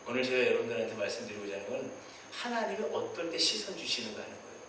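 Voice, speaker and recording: A man preaching a Sunday sermon as senior pastor, animated, acting out prayers and God's replies in quoted voices. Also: mid-range voice, rapid-fire, slight background noise. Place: church sanctuary. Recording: distant mic in a very echoey church hall.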